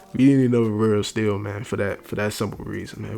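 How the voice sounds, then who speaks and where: A man's fairly quick speech runs over music in the background. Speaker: movie commentary youtuber. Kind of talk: casual video commentary.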